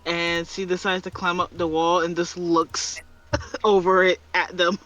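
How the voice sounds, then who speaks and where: A woman's voice: fairly low pitch, little pitch movement, measured pace, fairly bright tone, distant mic, highs cut off. A woman playing a tabletop game, speaking bluntly and straightforwardly. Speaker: player.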